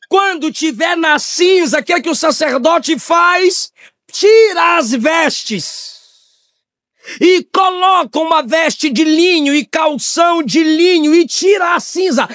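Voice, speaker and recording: A man from Brazil preaching a Pentecostal sermon, shouting in high bursts and then dropping to low, quiet tones. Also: dry recording, studio quality.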